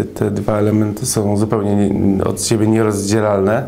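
Pitched fairly low, a man talks in a monotone with flat intonation. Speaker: sociologist commentator. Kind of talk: casual chat. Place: studio.

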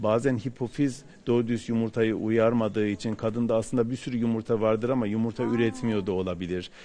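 Over light background noise, a man with a dark, mellow tone talks at a fairly quick pace, hardly pausing and keeping his intonation fairly even. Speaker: fertility doctor; guest. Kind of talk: expert advice. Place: studio. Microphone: headset.

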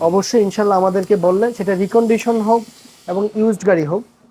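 Fairly even intonation marks this man's high-pitched voice and dark, mellow tone. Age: young. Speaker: car showroom owner. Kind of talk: sales pitch. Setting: car showroom. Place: shop. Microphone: lapel.

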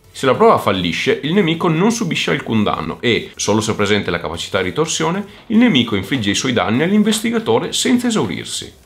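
A man at a very fast pace, fairly high in pitch, with very wide pitch swings and faint music in the background. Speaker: board game reviewer. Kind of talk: review.

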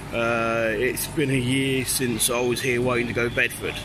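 A man at a moderate pace, dry sound with no echo, noticeable background noise behind him. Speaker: hobbyist vlogger. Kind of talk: casual vlog chat. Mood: excited, upbeat. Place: station. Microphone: phone near.

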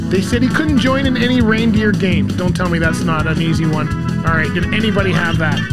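The speaker talks at a fairly quick pace over loud background music. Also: man. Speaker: radio and Facebook live trivia game show host. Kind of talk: live trivia game show hosting. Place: studio. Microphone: studio mic.

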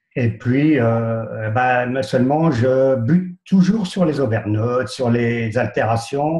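This man talks at a very slow pace with hardly any pauses and very even loudness. His pitch variation is ordinary, and audible room echo surrounds him. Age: 70s. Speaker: harmonica student. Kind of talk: casual self-introduction. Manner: halting, many hesitations. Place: home room. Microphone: video call.

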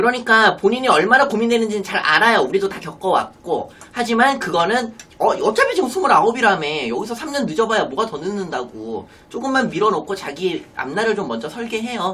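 Animated in tone, a woman with a fairly high pitch speaks at a moderate pace, her pitch swinging very widely. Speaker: internet broadcaster. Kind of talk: casual chat. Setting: live stream. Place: home room. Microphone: studio mic.

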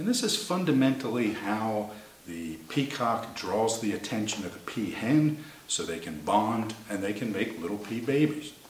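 There's audible room echo and light background noise. A man speaks at a moderate pace. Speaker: teacher explaining a personality model. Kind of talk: interview answer. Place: home room.

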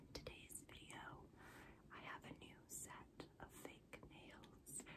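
A woman speaks in a whisper. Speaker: ASMR creator. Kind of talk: ASMR whisper video. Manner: whispered, soft. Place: home room. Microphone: phone near.

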